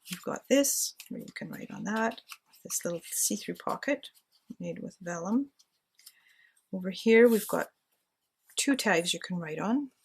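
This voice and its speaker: Husky-voiced woman chatting while crafting. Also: medium pitch, animated, unhurried, long pauses. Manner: chatty, talks to herself while working. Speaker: crafting vlogger. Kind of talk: casual crafting chat.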